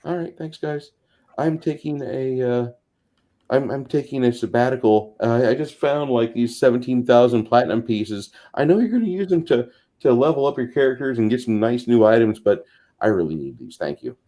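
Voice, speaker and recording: A man's voice: mid-range voice, animated, moderate pace, warm tone, close to an everyday voice. A man voicing a self-serving dragon ally in a tabletop game, casual and presumptuous as he claims treasure. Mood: casually presumptuous.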